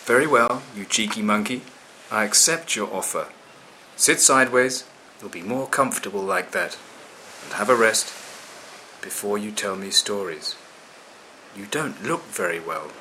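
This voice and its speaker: A man voicing a little male dolphin with a squeaky, clicky voice, easily offended, in a storybook tale. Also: very animated, moderate pace, creaky, pauses often, pushed and bright, slight background noise, heavily acted, rough recording. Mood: kindly.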